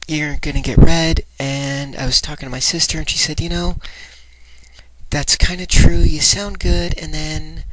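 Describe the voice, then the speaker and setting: A woman talking casually and hesitantly in a personal vlog, her voice light in resonance, a little breathy and nasal, sounding unsure of herself. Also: sits low, no room sound. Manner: hesitant, self-doubting. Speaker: voice trainee asking for feedback. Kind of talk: personal vlog, rambling confession. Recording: very noisy home recording, clicks.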